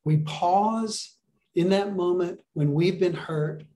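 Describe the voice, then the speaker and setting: A man's voice: sits high, takes it slowly, mellow. A man preaching an earnest, encouraging sermon from home over a video call, often asking his listeners questions. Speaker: pastor. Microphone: video call webcam.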